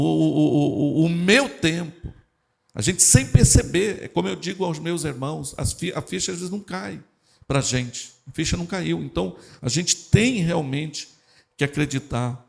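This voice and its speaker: Male pastor, church sermon, animated delivery, gravelly voice, fairly high. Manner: animated preaching, addresses the congregation directly.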